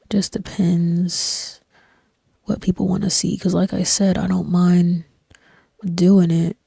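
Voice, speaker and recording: A young woman streams and chats in a low, soft-spoken voice that hovers near a whisper. Her tone is mellow and flat. She rambles along relaxed, full of fillers and slang, close on a dry desk mic. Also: vocal fry, dry recording. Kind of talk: casual chat while gaming. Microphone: desk microphone.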